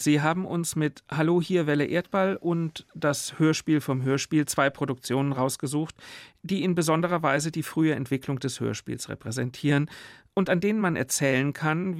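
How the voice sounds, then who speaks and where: Guy hosting a radio talk, gravelly voice, dry close sound, kinda searching for words. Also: fairly high pitch, dry recording. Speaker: radio host and interviewer. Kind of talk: moderated radio discussion, scripted introductions and spontaneous talk.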